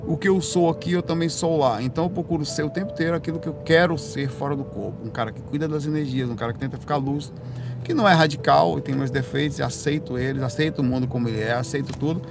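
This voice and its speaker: A man's voice: on the high side, fast talker, gravelly. Man chatting over background music. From Brazil, raised in Bahia. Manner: rambling, self-correcting, animated bursts. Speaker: livestream host answering viewer questions. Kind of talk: casual live chat reading comments.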